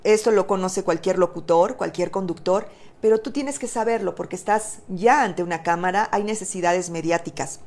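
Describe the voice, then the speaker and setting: A woman's voice: lowish voice, moderate pace, a little mellow. A woman with a Mexican Spanish accent giving a webinar lesson as a voice coach, speaking in a didactic, emphatic way with rhetorical questions and fillers. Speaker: presenter and voice coach.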